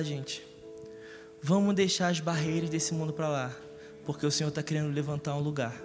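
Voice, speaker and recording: In a church hall, a Brazilian preacher from Rio de Janeiro delivers his Sunday message, often joking and questioning the people listening. He has a fairly high male voice, heard through lengthy reverb with background music.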